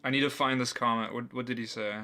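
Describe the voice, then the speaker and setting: A man's voice: medium pitch, fairly even intonation, fast talker, sharp tone. A young man hosting a reaction video, talking casually with incredulous, mocking asides and frequent laughs.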